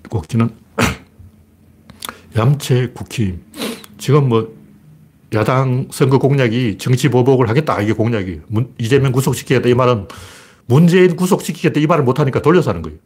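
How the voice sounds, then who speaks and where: A man talking through politics and history in a casual, blunt, emphatic monologue with a husky voice. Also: medium pitch, normal speed. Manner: animated, blunt and emphatic, with frequent laughs and repeated phrases. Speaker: political commentator.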